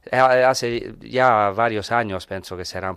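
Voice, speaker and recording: On a very clean recording with a silent background, a man talks at a fairly slow pace with fairly even intonation. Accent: Italian. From Italy, Rome. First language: Italian (speaking Spanish). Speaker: priest and biblical scholar. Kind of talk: interview.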